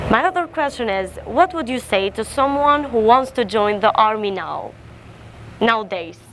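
Speaking at a moderate pace with an Albanian accent, the voice has lively intonation, light background noise and a dry sound with no echo. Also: woman, fairly high pitch for a woman. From Kosovo. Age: young. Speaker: TV interviewer. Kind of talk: interview. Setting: military camp. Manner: formal. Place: open country.

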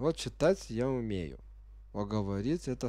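A man with a strong non-native accent, at a very slow pace. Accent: strong non-native accent in Russian. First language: not Russian (speaking Russian). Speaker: gaming video creator. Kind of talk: let's play commentary. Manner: halting.

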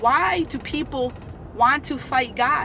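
A woman with an American accent speaks in a raised, projected voice at a high pitch, her tone animated and the sound dry with no echo over light background noise. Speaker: street preacher. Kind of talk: street preaching vlog. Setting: outdoors. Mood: defiant, fervent. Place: car. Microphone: phone near.

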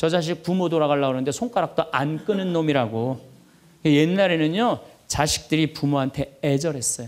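A man with a fairly high pitch and an animated tone, at a moderate pace, with ordinary pitch variation and very even loudness. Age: 60s. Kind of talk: lecture to a live audience. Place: hall. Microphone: handheld.

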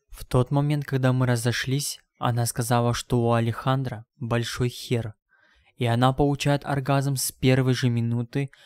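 Man's voice at a fairly slow pace with monotone, flat intonation, dry and close with no echo, on a very clean recording over a silent background. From Yakutia, Russia. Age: 30s. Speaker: storyteller. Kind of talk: scripted narration.

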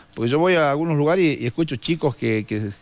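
A very fast pace with lively intonation. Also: man. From Argentina, Jujuy; Argentina. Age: 40s. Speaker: rodeo announcer and folk reciter; interview guest. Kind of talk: casual interview. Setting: TV studio. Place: studio. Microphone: lapel.

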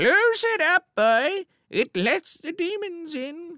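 The voice is put on, a character voice pitched extremely high. Its pace is very slow. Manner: scolding, warning.

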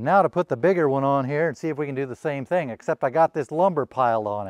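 The man's intonation is lively. The sound is dry with no echo, over a quiet background. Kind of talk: casual tutorial commentary. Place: open country.

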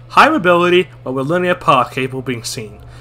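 With music in the background, a man delivers his words at a fairly quick pace. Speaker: video game theorist. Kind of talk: game theory video narration.

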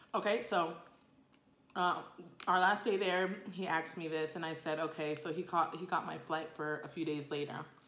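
A woman speaks at a moderate pace with fairly even intonation, and audible room echo can be heard. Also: fairly low pitch for a woman. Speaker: food vlogger. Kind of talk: casual storytelling while eating. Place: home room. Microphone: phone near.

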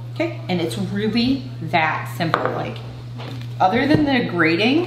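Noticeable background noise fills the clip. Through it, a woman talks fairly slowly. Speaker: home DIY vlogger. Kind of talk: casual tutorial. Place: kitchen. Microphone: camera far.

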